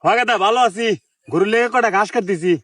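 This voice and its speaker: A man playing a gruff, hot-tempered old village uncle in a comedy skit. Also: high voice, quick pace, over music, close to an everyday voice. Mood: friendly. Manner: gruff, threatening. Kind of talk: comic skit dialogue.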